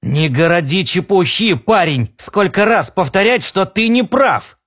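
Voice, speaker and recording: A man's voice: sits high, very animated, measured pace, fairly bright tone, heavily acted. A man reading the part of a hot-tempered, stubborn earthman who barks and growls his lines. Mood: angry. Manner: barking, growling.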